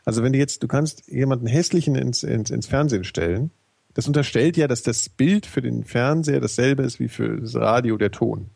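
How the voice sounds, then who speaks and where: Male co-host. Husky, relaxed tone, informal, self-deprecating chat. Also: mid-range voice, a little fast, dry recording. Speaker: podcast co-host. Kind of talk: casual chat.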